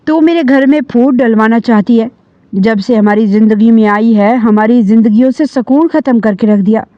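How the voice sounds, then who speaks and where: A woman's voice: a little high, dry recording, lightly acted. A scornful middle-aged mother snaps and scolds in a storybook reading, voiced by a woman narrator. The sound is close and dry. It is a little dull. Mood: scolding. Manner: scolding, harsh.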